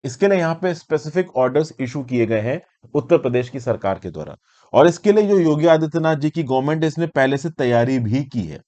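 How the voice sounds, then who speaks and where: A man with an Indian accent and a medium-pitched, slightly mellow voice gives an explanatory current affairs lecture for exam students. As an educator and presenter of such lessons, he sounds conversational and teacherly, mixing in English terms and posing questions as he goes.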